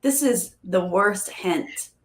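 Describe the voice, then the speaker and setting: Slow, bright woman in a roomy space. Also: medium pitch, lively intonation. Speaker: game show contestant. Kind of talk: casual guessing-game questioning.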